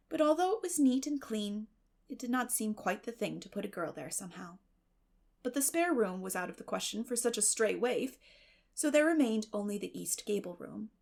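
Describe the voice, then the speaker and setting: A woman reading a classic novel as an audiobook narrator, in measured, expressive storytelling. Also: a little high, creaky. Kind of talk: scripted literary narration.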